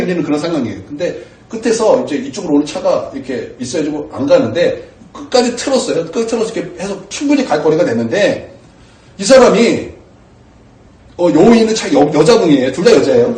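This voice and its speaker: A man preaching in a church, his fairly high voice swinging up and down as he tells a story. He poses rhetorical questions to the congregation. The sound is roomy and a little distant from the mic. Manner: animated storyteller, acts out quoted exchanges, asks rhetorical questions. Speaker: pastor. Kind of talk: sermon with storytelling. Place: church sanctuary.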